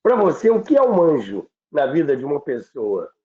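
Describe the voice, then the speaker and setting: On the high side with huge pitch swings and a dark tone, a Brazilian-accented man narrates history conversationally as a radio commentator at a moderate pace. He underlines points with repetition and lists, and the sound is thin, phone-like and echoey in a roomy way.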